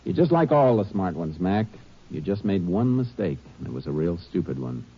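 An actor playing a tough, steady Texas Ranger who tells his case tersely in a 1950s radio drama. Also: low voice, moderate pace, husky, heavily acted. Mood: confident, accusing. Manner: terse, clipped storytelling. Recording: vintage radio recording, dull, music behind.

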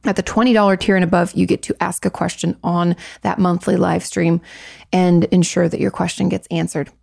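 Hoarse, raspy woman therapist host. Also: fairly low pitch, level tone, a little fast, a little mellow, no echo, studio quality. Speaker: host, licensed marriage and family therapist. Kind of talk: casual advice talk.

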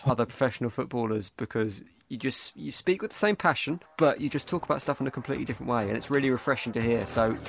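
A man's voice: medium pitch, fast talker, gravelly, hardly any pauses. A man interviewing a guest conversationally, putting long, wordy questions.

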